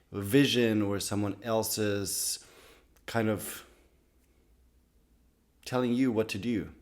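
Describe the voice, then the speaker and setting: A man with a slightly raspy voice from being sick, talking to camera in an earnest, loose way about personal growth. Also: fairly low pitch. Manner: earnest, loose sentences with many restarts and "like". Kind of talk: casual talk to camera.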